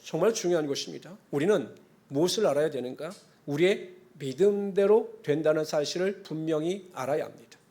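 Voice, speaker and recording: A man with a rather high voice preaches a Sunday sermon as pastor. He moves between earnest, formal blessing phrases and relaxed, conversational asides to the congregation. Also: brisk. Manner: conversational asides and acted-out quotes.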